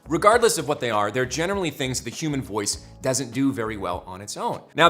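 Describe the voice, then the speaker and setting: A man's voice: medium pitch, fairly bright tone. A man, a voice actor, giving a scripted tutorial with wry, jokey asides and emphatic explanations. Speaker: voice actor teaching anime dubbing.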